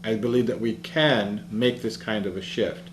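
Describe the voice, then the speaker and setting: A man's voice: on the low side, fairly even intonation, normal speed. Earnest man speaking in a roomy hall. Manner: earnest, reflective storytelling. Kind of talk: public talk. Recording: roomy echo with faint hum.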